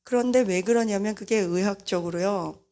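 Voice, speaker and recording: Woman preacher, middle-aged, lively, gravelly, acts out family voices. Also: mid-range voice, moderate pace. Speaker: mission leader and preacher. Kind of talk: sermon-style talk on parenting.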